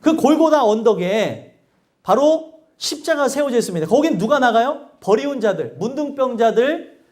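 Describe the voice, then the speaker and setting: A man's voice: extremely high pitch, normal speed. A male pastor preaching a sermon in church, asking the congregation questions and acting out angry prayers. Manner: animated preaching with acted outbursts and rhetorical questions.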